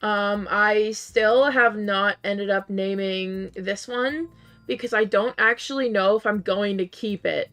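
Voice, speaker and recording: A slightly hoarse woman streamer, losing her voice a little, chatting casually with her viewers, laughing often and filling pauses with "um". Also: mid-range voice, steady tone, a bit bright. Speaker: game streamer. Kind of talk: casual live-stream chat.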